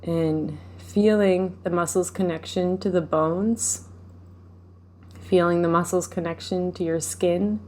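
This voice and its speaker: Woman w a lowish voice doing guided meditation, gentle, takes her time, leaves pauses. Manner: gentle, unhurried, instructing with pauses. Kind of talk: guided meditation, live session.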